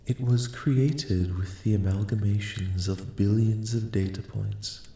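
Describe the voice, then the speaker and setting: A man voicing a calm, courteous alien collective in a soft-spoken ASMR roleplay, speaking in slow, formal, reassuring phrases. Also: fairly low pitch. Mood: gently reassuring. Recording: echoing, reverberant voice.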